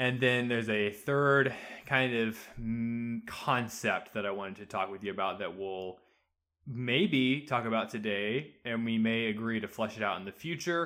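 Here a man speaks at a medium pitch. He keeps a moderate pace. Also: ordinary pitch variation. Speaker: podcast host. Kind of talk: casual chat. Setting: house with other people. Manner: loud.

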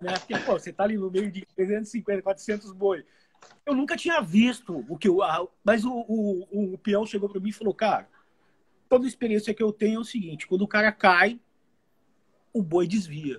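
Recorded dry and close with no echo, a man with a high voice talks at a moderate pace with ordinary pitch variation and long, frequent pauses. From Brazil, interior of São Paulo state (Indaiatuba). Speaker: stunt performer and action actor. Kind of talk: casual interview.

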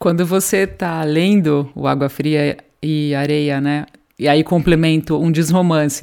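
The woman's pitch is very deep and low. She delivers everything in a monotone, flat way. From Campinas, São Paulo, Brazil. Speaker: podcast host. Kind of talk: casual interview chat.

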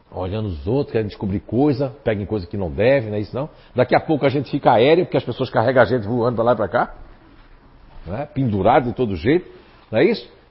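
Very fast, somewhat breathy speech from a man at medium pitch, with lively intonation. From Blumenau, Santa Catarina, Brazil. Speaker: spiritist lecturer. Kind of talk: lecture with audience Q&A. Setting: live in-person event with online audience.

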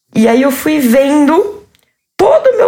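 This woman's voice has a dark, mellow tone. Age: 30s. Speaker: psychiatrist and artist. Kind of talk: casual chat.

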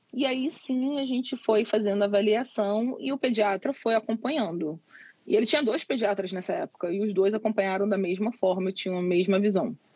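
A woman's fairly high voice, dark and mellow in tone, with ordinary pitch variation at a fairly quick pace. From Brazil, Caxias. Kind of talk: interview.

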